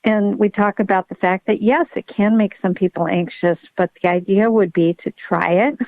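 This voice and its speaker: A woman's voice: medium pitch, steady tone, normal speed, no room sound. A middle-aged woman, a pediatric neurologist, explaining with enthusiastic emphasis in a podcast interview. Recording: tinny phone-like line, dry.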